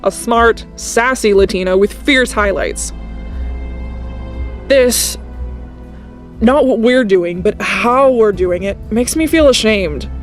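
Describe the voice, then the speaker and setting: A man's voice: high-pitched, slow pace, long pauses, faint music behind. A man voicing a sassy, proud Latina teenage girl who speaks earnestly and with frustration. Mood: frustrated.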